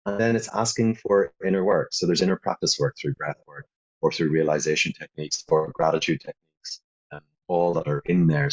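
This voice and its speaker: Belfast man, very deep husky voice, guest in a talk, calm and unhurried, dull low-fi audio. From Northern Ireland. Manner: calm, flowing explanations with frequent fillers. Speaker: guest, founder of a meditation app. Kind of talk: interview conversation.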